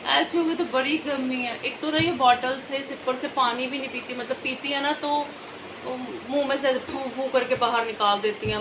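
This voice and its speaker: A mother, vlogging casually at home at night and coaxing and soothing her children. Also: sits high. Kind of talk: casual home vlog talk. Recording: noisy home phone recording.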